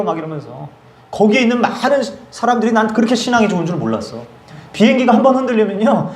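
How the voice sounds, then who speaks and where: A man preaching a sermon as pastor, telling a personal testimony in a lively storytelling way and acting out his own prayers. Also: high-pitched, reverberant. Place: church service.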